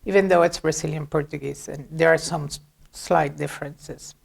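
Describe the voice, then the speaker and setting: A woman's voice: low-pitched, fairly even intonation, normal speed, creaky, slightly rough. A middle-aged woman from Venezuela, a guest in an interview, giving long reflective answers with frequent hesitations. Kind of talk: conversational interview.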